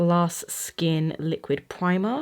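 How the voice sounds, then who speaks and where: A woman with a British accent talks at a fairly low pitch. The recording is very clean, with a silent background. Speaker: beauty youtuber. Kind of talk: tutorial. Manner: animated.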